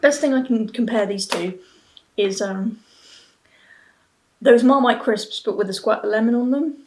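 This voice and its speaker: A woman's voice: fairly high pitch, unhurried, a little mellow, slight background noise. A woman in her twenties giving a casual review to camera, musing and often restarting her thoughts. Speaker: beer and snack reviewer. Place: small plain room at home, seated at a table.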